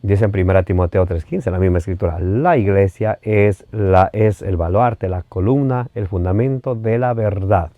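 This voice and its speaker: A man from Ecuador with an Ecuadorian Spanish accent, teaching a Catholic sermon. He reads citations deliberately and pauses with fillers as he explains. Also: low-pitched, no room sound, phone-quality sound. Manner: reads scripture references slowly, often hesitates with fillers. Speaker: preacher.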